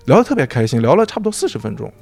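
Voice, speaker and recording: A man's voice: medium pitch, very fast, gravelly, slightly rough, faint music behind. A man from Xinjiang, China, a podcast guest telling a story in casual chat and acting out quoted dialogue. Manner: animated, acts out quoted dialogue.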